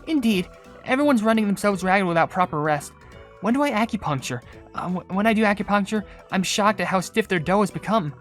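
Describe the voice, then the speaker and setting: A video host voicing a gently concerned cookie healer from a game, reading earnestly in a lifted voice. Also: medium pitch, expressive, brisk, faint music behind, voice pushed up, lightly acted. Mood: gentle concern.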